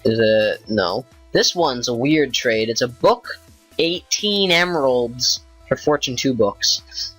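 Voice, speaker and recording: A man's voice: mid-range voice, expressive, takes it slowly, a bit bright, husky, soft background music, poor audio. A man giving casual gameplay commentary, rambling offhand and thinking aloud with many fillers, sounding tired. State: tired, yawning. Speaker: gaming YouTuber.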